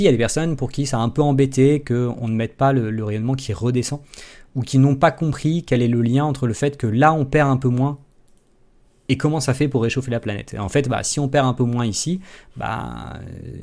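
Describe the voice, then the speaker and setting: Halting man explaining science live. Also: medium pitch, darkish tone. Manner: halting, with many restarts and self-corrections; informal and self-mocking. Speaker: science educator.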